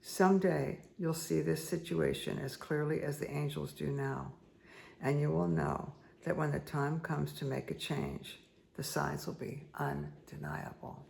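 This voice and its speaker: Hoarse, croaky woman giving a card reading. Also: sits low, lively intonation, darkish tone, slight background noise. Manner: slow, soothing, repetitive guidance with asides. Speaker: spiritual reader and meditation guide. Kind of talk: casual spoken card reading.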